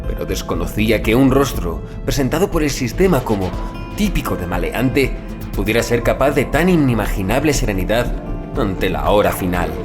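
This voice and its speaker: Male audiobook narrator, lowish register, deliberate and grave dramatic horror read, set over a clear music bed. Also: sing-song.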